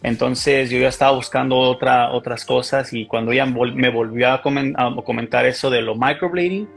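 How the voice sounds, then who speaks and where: Mexican-accented male guest, gravelly, halting, heard over a video call. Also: medium pitch, fairly even intonation, faint music behind. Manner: hesitant, many fillers and restarts. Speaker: interview guest, micropigmentation artist. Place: small indoor room.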